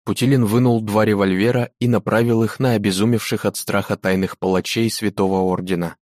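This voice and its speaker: A man's voice: fairly low pitch, fairly even intonation, a little fast, a little mellow, dry recording, clean studio sound. A man reading a dramatic novel aloud in a grave, theatrical manner. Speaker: audiobook narrator.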